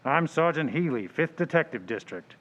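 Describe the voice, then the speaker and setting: A man's voice: a little high, expressive, moderate pace, a bit bright, muffled recording. A man playing a no-nonsense, authoritative police detective sergeant in an old-time radio drama. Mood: stern, businesslike. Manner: curt, authoritative, slangy.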